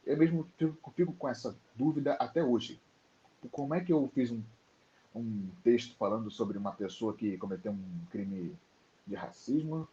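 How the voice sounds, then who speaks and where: A man's voice: medium pitch, lively intonation, moderate pace, dark tone, muffled recording, slight background noise. A man with a Brazilian accent, a guest writer answering hesitantly in an interview. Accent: Brazilian Portuguese. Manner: hesitant, with restarts.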